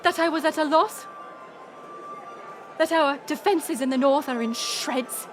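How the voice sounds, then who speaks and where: A woman's voice: sits high, unhurried. A woman playing a proud, weary middle-aged queen mother in a dramatic audio roleplay, formal and commanding. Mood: stern, exasperated. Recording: music and crowd murmur behind. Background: music and banquet crowd.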